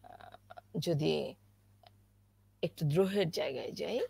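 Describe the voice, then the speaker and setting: A woman giving a spoken lesson on poetry recitation, explaining slowly with many pauses and fillers. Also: sits low, creaky, darkish tone, breathy edge, no echo. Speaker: recitation teacher.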